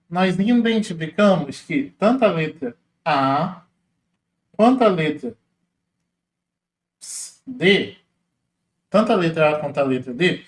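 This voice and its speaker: Echoey male teacher explaining exam answers. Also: sits high. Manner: casual, explanatory, spells out syllables slowly. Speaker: Portuguese teacher. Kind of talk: exam question walkthrough.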